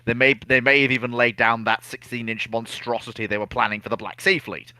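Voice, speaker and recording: A man in a casual history chat, explaining things in an animated, opinionated way. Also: medium pitch, brisk, clear, resonant tone. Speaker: naval history discussion panelist.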